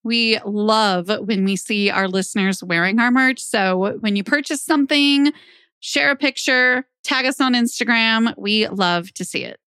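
A woman's voice: on the high side, measured pace, bright, forceful tone, clean tone, no echo. A young woman hosting a true crime podcast, reading scripted narration into a close microphone. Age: young adult. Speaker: podcast host.

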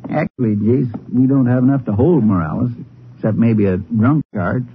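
An American actor playing a practical, plain-spoken small-town Texas sheriff in a radio drama. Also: male voice, medium pitch, moderate pace, breathy edge. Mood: matter-of-fact. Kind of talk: old-time radio drama acting. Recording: tinny, noisy 1950s radio recording.

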